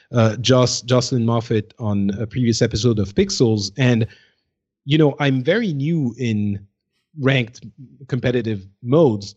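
A man co-hosting a podcast, talking casually and haltingly as he reasons things out, repeating words. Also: mid-range voice, darkish tone, husky, muffled recording. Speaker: podcast co-host. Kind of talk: casual discussion.

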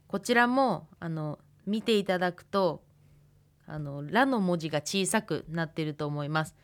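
A woman, teaching a radio language lesson patiently and pausing to think aloud. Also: fairly low pitch. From Hokkaido, Japan. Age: 20s. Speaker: language instructor.

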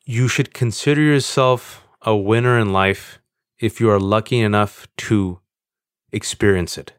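A man in his forties talking candidly as an interview guest, earnest and animated, with self-mocking storytelling. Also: lowish voice, unhurried, clear, resonant tone, dry recording, studio quality. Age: 40s. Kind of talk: candid conversation.

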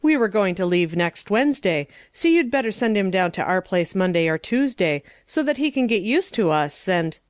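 A woman's voice: mid-range voice, big pitch swings, normal speed, few pauses, no echo, clean studio sound, pitched below the performer's own voice, close to an everyday voice. A woman voicing a flustered middle-aged male neighbor who stammers. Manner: flourishing then stammering.

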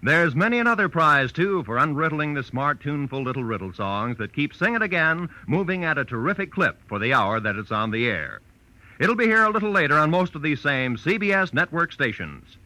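A man's voice: a little high, very animated, a little fast, pushed and bright, low-quality recording. An American man announcing on 1940s network radio in a polished, promotional style. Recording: vintage 1940s radio broadcast.

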